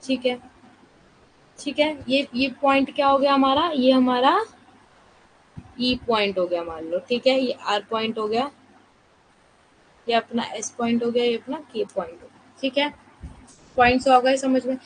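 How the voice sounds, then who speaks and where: A woman with a high voice teaches a live online class in a soft, unhurried way, checking in with her students and asking herself questions as she explains. She sounds tired from fasting. A faint hiss sits under the voice. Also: low-quality recording. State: fasting, low energy.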